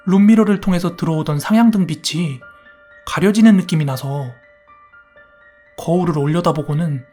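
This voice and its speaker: Calm man narrating a horror story. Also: on the high side, slightly rough. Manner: soft, steady storytelling tone in the first person.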